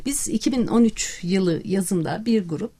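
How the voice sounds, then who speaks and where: A woman's voice: medium pitch, animated, unhurried, warm tone, husky. A woman speaking formally as an interview guest and language centre director.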